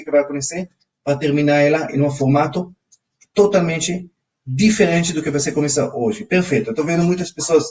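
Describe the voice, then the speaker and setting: Israeli accent guy coaching money stuff live online, keeps saying ok?, kinda high voice. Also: recorded from a distance. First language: Hebrew. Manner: energetic, audience-prompting with frequent ok?. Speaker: financial coach.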